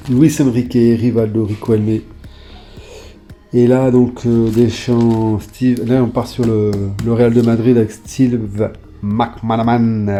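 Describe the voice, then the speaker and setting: Dark-voiced chatty man vlogging. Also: medium pitch. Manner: chatty, reads off names in a long list with fillers. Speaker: YouTuber showing his old football card collection. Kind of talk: casual vlog chat.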